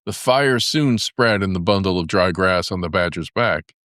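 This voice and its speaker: A man narrating a fairy tale as a storybook, in a measured storytelling manner. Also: deep voice, lively intonation, fairly bright tone, dry recording, studio quality. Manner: measured storytelling with character voices for dialogue.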